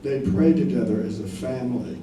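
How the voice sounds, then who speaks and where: A man's voice: medium pitch, a little fast, warm tone, close to an everyday voice. A man narrating the action in a staged play reading. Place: live staged reading in echoey room. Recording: very echoey room, distant, faint noise.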